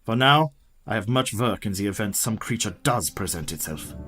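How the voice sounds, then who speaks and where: An actor playing a methodical older professor hunting a vampire, speaking in a formal, measured way. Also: male voice, on the low side, lively intonation, fairly bright tone, faint music behind. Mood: grave. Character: Professor Van Helsing, methodical older male vampire hunter. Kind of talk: community radio play acting.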